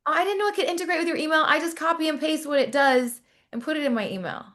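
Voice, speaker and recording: A woman hosting a casual podcast interview, reacting quickly and eagerly to what her guest says. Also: sits high. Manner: excitable, quick to react with surprise. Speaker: podcast host.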